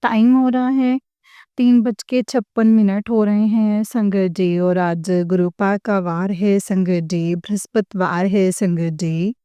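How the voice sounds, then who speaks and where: Tearful middle-aged woman, devotional testimony, slow repetitive delivery, mellow smooth voice. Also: mid-range voice, fairly even intonation, no echo, highs cut off. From Punjab, India. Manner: slow and repetitive, keeps addressing the congregation.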